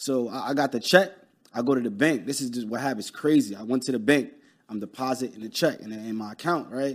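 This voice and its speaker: Over a very clean recording with a silent background, a man speaks at a fairly quick pace in a medium-pitched voice, animated and passionate, with ordinary pitch variation and big swings in loudness. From Brooklyn, New York. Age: 30s. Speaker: real estate investor. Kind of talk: casual interview chat. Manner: animated, passionate.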